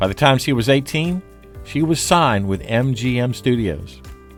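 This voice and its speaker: Man at a moderate pace over background music. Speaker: documentary narrator. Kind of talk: documentary history narration.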